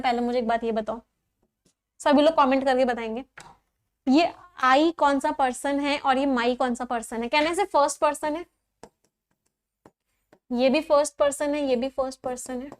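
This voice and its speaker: A woman with a high, bright-toned voice teaches a grammar class. She explains each rule step by step, repeats the key points and often asks the students whether anything is unclear. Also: moderate pace.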